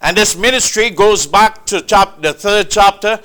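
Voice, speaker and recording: A man preaching a sermon, with a loud, booming, emphatic delivery, speaking into a microphone in a church hall. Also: a little slow. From Trinidad. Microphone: handheld or stand mic.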